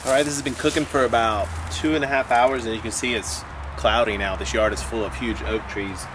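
A man in his thirties hosting a casual how-to vlog outdoors in a backyard, chatting in a loose, relaxed way with restarts. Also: medium pitch, brisk, recorded from a distance. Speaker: host. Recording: outdoor noise behind.

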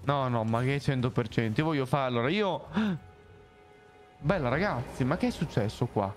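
A young man streaming a game live, reacting loudly and hurling playful insults at enemies. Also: mid-range voice, normal speed. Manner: excitable, swears and yells insults at enemies. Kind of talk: live gameplay commentary. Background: game music.

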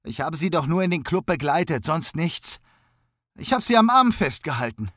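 A frightened young suspect in an audiobook, whining and close to tears, his voice pitched well up and pushed loud, as a male narrator puts him on. The sound is close and dry. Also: sing-song, moderate pace, dry recording. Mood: pleading. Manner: tearful, pleading.

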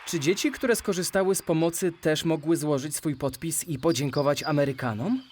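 A man playing a curious, eager young male cartoon animal in a children's audio drama, inquisitive and expressive. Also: on the high side, normal speed, a little hiss or hum, natural voice.

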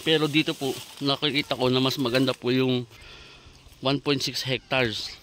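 A man's voice: mid-range voice, fairly even intonation, normal speed, fairly bright tone, slight background noise. A man giving a polite, chatty walking tour of farmland by a river, pointing things out as he goes. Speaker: vlogger showing land for sale. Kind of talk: casual walking tour narration.

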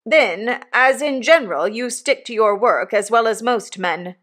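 A woman's voice: on the high side, unhurried, a bit bright. A woman voicing a mild, plain-spoken male master blacksmith, simple and placating but firm, in a storybook reading. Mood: calm, firm.

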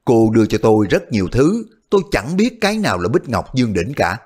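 A man's voice: mid-range voice, very animated, fairly quick, darkish tone, breathy edge. A man voicing a bold, crafty male hero who plays innocent and teases. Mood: amused. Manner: mock-innocent, teasing.

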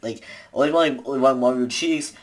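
A young man in his twenties talks straight into a desk webcam in a small bedroom, giving casual tips. His delivery rambles, with constant restarts and filler words, and he gestures with both hands as he talks. His voice sits at an ordinary middle pitch for a man. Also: fast, slight background noise. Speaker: vlogger giving voice acting tips. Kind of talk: casual advice talk to camera. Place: small bedroom indoors, seated in a gaming chair. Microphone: webcam at desk distance.

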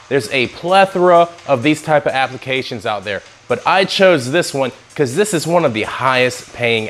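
A young man hosting an app review vlog, talking with energetic, salesy hype and catchphrases on a lapel mic. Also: medium pitch. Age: young adult. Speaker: host.

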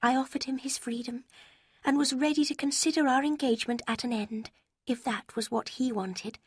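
A woman voicing a sugary, scheming young woman who reads her own letter in a sweet, gushing, breathy way. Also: high-pitched, fairly even intonation, normal speed, no echo, clean studio sound, pitched above the performer's own voice.

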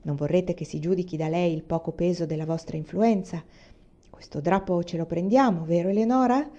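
Woman reading a gentle coaxing noble widow, soft persuasive manner, mellow tone, slightly muffled audio. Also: fairly low pitch, a little fast, natural voice.

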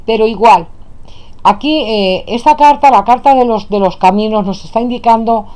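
A woman with a Spain Spanish accent gives her viewers a tarot reading, fondly calling them "my loves" as she turns cards. Her voice is fairly high, mellow and at normal speed. She sits at a table indoors, with only her hands on camera.

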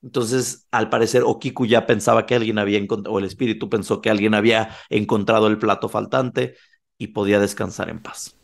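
A man's voice: on the low side, fairly quick, creaky. A man, a podcast co-host casually telling a horror legend and acting out the quoted lines. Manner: animated, acts out quoted lines.

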